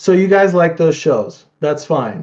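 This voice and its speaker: Dark and mellow in tone, a man speaks at a moderate pace with a fairly high pitch. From New York, US, Uruguayan parents. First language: Spanish. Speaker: podcast host. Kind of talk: casual chat.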